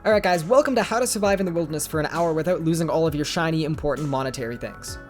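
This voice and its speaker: A man's voice: on the high side, racing, soft background music. A man hosting a video game guide voice-over, slightly congested, upbeat and chatty with his viewers. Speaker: gaming guide host.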